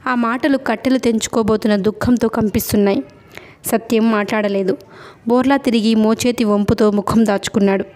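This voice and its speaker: A woman reads a novel aloud in steady storytelling narration. Her voice sits a little high, with a mellow, warm tone. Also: brisk. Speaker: audiobook narrator.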